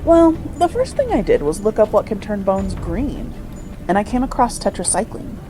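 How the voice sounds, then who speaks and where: A woman's voice: medium pitch, sing-song, normal speed, over music, lightly acted, low-quality recording. A woman playing an inquisitive, wry young scientist daughter in an amateur radio drama. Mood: curious, wry.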